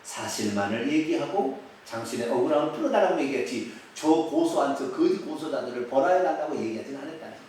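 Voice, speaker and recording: A man, a pastor, preaching an expository sermon with animated delivery, asking the congregation questions and acting out quotes. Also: medium pitch, quick pace, a little hiss or hum. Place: church sanctuary. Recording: echoey church hall, mic at a distance.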